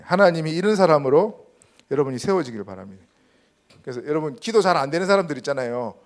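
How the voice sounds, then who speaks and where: Male pastor, animated sermon delivery, fairly high voice, punchy rhetorical questions. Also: fast talker. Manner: emphatic preaching, rhetorical questions to the congregation. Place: church sanctuary.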